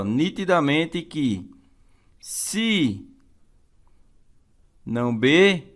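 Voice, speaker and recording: A man's voice: fairly high pitch, a bit bright. A man with a Brazilian accent teaching an exam-prep lesson in a didactic way, repeating key phrases and checking in with listeners.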